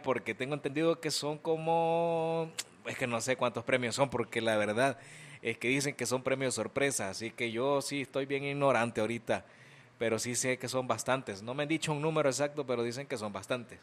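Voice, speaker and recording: A young Salvadoran man hosting an afternoon radio show, chatting, reading listener greetings and ads while fighting a cold and sore throat. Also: medium pitch. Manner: chatty, self-joking, reads listener messages. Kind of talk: casual radio chat and read ads. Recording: radio broadcast with music behind.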